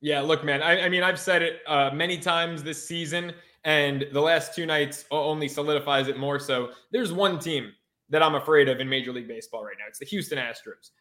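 A man's voice: fairly high pitch, brisk, bright, forceful tone. A man co-hosting a sports podcast in a casual, brash, slangy style with some swearing.

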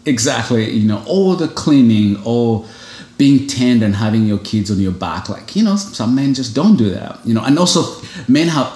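A man's voice: mid-range voice, animated, moderate pace, darkish tone, reverberant. A man from Uganda, a single foster father, talking earnestly and reflectively as an interview guest, with many "you know" fillers. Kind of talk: casual interview conversation.

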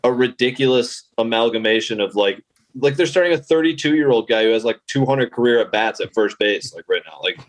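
A man's voice: medium pitch, animated, brisk. Chatty young male sports reporter. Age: 20s. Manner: chatty storyteller, heavy filler words. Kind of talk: casual sports chat.

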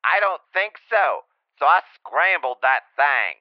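A man's voice: fairly high pitch, big pitch swings, a little slow, background noise, voice pushed up. A man voicing a sassy, foul-mouthed gossiping hen in an indignant comedy bit, on a dull lo-fi clip. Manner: trash-talking, indignant gossip.

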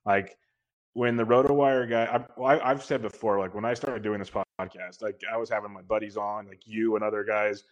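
A man in his thirties hosting a podcast, loud and carrying, talking earnestly and rambling with many restarts. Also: on the low side, steady tone, fairly quick, lo-fi sound. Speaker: podcast host. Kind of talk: casual podcast chat.

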